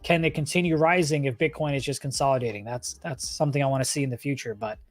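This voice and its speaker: A man's voice: mid-range voice, fairly even intonation, fast talker. A man hosting a livestream, giving casual, conversational chart commentary and talking directly to his viewers. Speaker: livestream host and stock trader. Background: background music.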